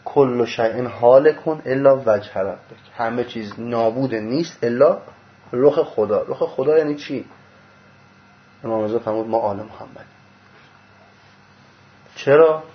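In a dull, lo-fi recording, a man teaches a mystical religious lecture built around a diagram. He asks himself rhetorical questions and answers them, alternating loud outbursts with quiet murmuring.

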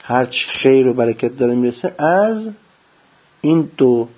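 A man giving a religious lecture, preaching with lively rhetorical questions and answering them himself. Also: mid-range voice. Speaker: religious teacher. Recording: dull lo-fi recording.

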